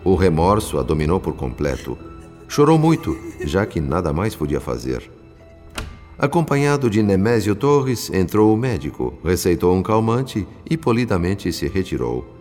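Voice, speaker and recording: An actor playing a solemn spirit narrator in a radio drama, with grave, formal, literary delivery. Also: male voice, low voice, big pitch swings, normal speed, darkish tone. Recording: long reverb with music behind. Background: music.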